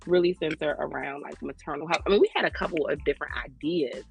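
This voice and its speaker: A woman's voice: deep voice, quick pace, gravelly, faint music behind. A woman in her thirties from Maryland with an African American English accent, telling stories in a casual, slangy, joking way as a podcast host. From Maryland, United States. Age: 30s. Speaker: podcast co-host, lactation consultant. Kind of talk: casual conversational storytelling.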